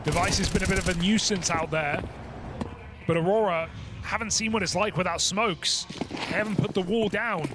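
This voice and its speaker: A male esports caster with a slightly high voice calls a match live. He follows the action in clipped, descriptive phrases. There is clear noise behind him. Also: normal speed. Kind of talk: live esports play-by-play commentary.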